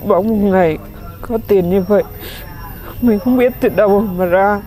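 Slow, tearful humble woman. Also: medium pitch, warm tone. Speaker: aid recipient, a poor waste-collecting mother. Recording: light background music.

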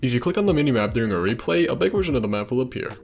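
A man's voice: medium pitch, expressive, very fast, vocal fry, a little mellow, faint music behind. A man reading scripted narration for a video game trivia video.

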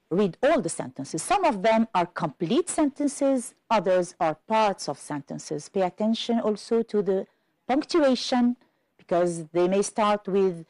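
Woman teacher, unhurried and precise, melodic delivery, dry studio. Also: mid-range voice, a little mellow, no room sound. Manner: careful, deliberate, spells out pronunciation. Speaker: English teacher. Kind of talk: slow clear classroom instruction.

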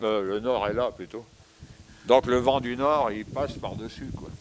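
An older man giving a casual tour of his cave home, talking with many pauses and fillers, recorded on a camera mic as he moves around. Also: mid-range voice, crowd noise. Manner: hesitant, many fillers and restarts. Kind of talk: casual spoken house tour. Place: inside stone cave rooms and outdoors by cliffs.

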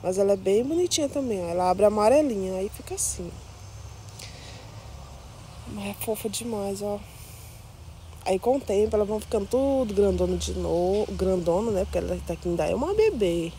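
A woman's voice: medium pitch, lively intonation, a little fast, warm tone, slight background noise. A woman touring her garden on her phone, chatty and doting as she coos over her plants. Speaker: plant vlogger. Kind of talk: casual garden tour. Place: outdoor garden. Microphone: phone held while filming.

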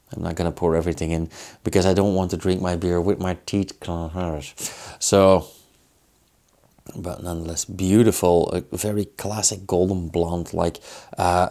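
Belgian guy in his 30s doing a beer review, real low voice, gravelly. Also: a little mellow. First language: Dutch. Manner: slow, thoughtful, with many fillers. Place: small indoor studio with beer signs.

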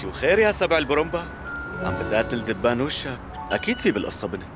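A man's voice: mid-range voice, sing-song, very fast, natural voice. A man with a Syrian accent voicing a joking, reassuring young male friend in a dubbed TV drama. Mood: teasing. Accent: Syrian Arabic. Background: music score.

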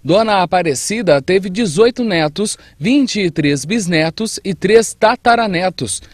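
High-voiced Brazilian male reporter, dry sound. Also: expressive, measured pace, no room sound. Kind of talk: scripted news feature narration.

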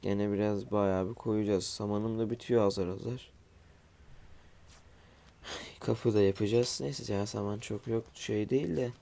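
A man's voice: on the low side, steady tone, unhurried, vocal fry, long pauses, mellow. A man giving casual let's-play commentary at home, just woken up and groggy, muttering to himself while he builds and tossing asides to viewers. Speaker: gamer streaming his play.

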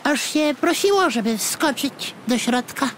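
A man voicing a cheeky little male rodent with a squeaky, reproachful, grumbling voice in a storybook. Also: animated, unhurried, a bit bright, a little hiss or hum, exaggerated voice. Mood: reproachful, mocking.

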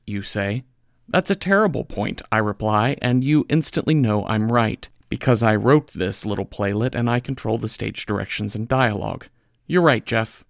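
Male podcaster, scripted comic ad read, conversational deadpan, some vocal fry, dry studio sound. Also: lowish voice, dry recording. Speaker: podcast writer reading a sponsor ad.

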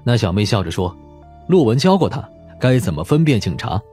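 A man's voice: mid-range voice, sing-song, a little fast, mellow. A man reading a detective audiobook as a scripted narration. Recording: music behind the voice.

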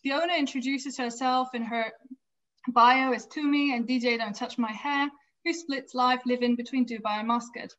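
A woman giving an academic lecture from a home office over a video call, reading prepared text in a measured way with small restarts. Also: a little high, steady tone, a bit bright. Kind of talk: academic lecture read from slides. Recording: slightly dull lo-fi video call audio.

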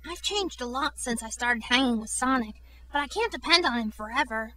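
A woman's voice: on the high side, animated, brisk, pushed and bright, dry recording, rough recording. A woman voicing an earnest, brainy, plucky little boy fox in a boyish manner, as a video game character audition. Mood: determined.

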